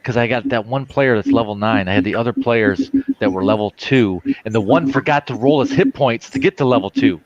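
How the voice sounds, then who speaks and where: A man in his forties telling a tabletop game story on a video call, excited and stumbling over restarts. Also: mid-range voice, brisk, muffled recording. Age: 40s. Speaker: dungeon master and show regular. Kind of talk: casual chat on a video call. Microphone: headset on a video call.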